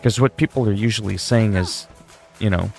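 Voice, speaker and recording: A man's voice: on the low side, normal speed, gravelly, darkish tone, faint music behind. A man in his forties chatting casually on a livestream, reading viewers' messages aloud and answering them in a rambling way. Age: 40s.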